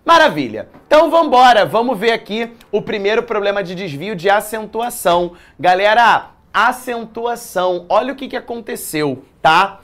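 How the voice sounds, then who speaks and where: A man with a Brazilian accent teaching a live online exam-prep writing class from a studio, chatty and lively, quizzing his viewers with slangy asides. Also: sits high, moderate pace, hardly any pauses. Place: studio in a commercial building.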